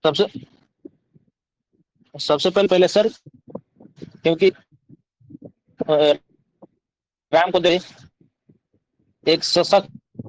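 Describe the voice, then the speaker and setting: A man's voice: high-pitched, fairly even intonation, drawn-out words, pauses often, low-quality recording. A male student answering his teacher hesitantly over an online class call whose audio keeps glitching and cutting out.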